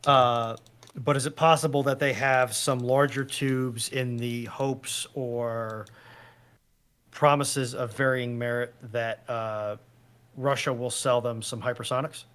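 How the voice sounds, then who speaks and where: Male guest, average pitch, casual panel talk, tentative questioner. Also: fairly even intonation, slow, fairly bright tone, clear, resonant tone. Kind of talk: casual discussion.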